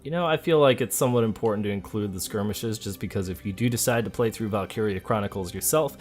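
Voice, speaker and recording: Male let's play host, lower-pitched voice, casual and chatty, talking through moves over background music. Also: fast. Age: adult, parent of a school-age child. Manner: relaxed, chatty, thinking aloud. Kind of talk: casual gameplay commentary. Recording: game music behind the voice. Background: video game music.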